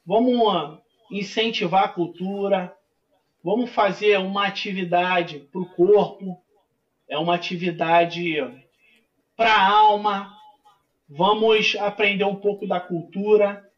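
A man with a carioca accent, a capoeira master chatting warmly as a podcast guest over a video call. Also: high-pitched, lo-fi sound. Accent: Rio de Janeiro Portuguese. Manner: warm, effusive, addresses host as friend. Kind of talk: casual podcast interview, singing capoeira songs.

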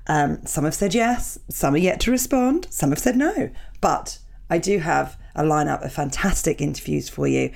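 A woman in her thirties with a cold, hosting her podcast in a rambling, self-mocking chat with a croaky, gravelly voice. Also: low-pitched, lively intonation, normal speed, a little mellow. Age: 30s. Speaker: podcast host. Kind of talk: chatty podcast intro, reading listener emails.

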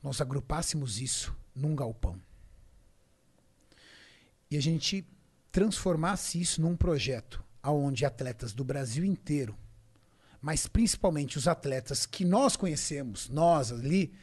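A man's voice: a little high, lively intonation, a little slow, slightly rough. A middle-aged man from Brazil, a bodybuilding champion telling stories in an interview, emphatic and acting out the dialogue he quotes. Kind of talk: podcast interview storytelling.

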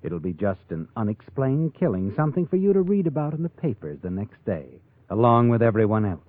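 The Whistler, ominous narrator on tinny old radio. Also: male voice, medium pitch, sing-song, fairly quick. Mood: taunting. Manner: taunting, theatrical, addresses the character directly. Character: ominous, knowing male narrator haunting tales of crime. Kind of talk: 1940s radio drama narration. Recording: tinny old radio recording, music behind.

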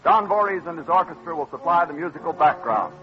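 A middle-aged man reading a scripted sponsor message and announcements in a formal, measured old-time radio announcer manner. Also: on the high side, expressive, loud music behind the voice. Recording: dull lo-fi old radio broadcast recording.

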